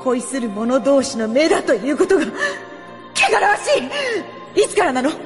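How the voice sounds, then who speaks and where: A woman playing the jealous, vengeful ghost of a noblewoman in a radio drama, shrill, venomous and accusing. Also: lively intonation, normal speed. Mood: venomous rage. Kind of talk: Japanese radio drama acting. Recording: long reverb, music behind.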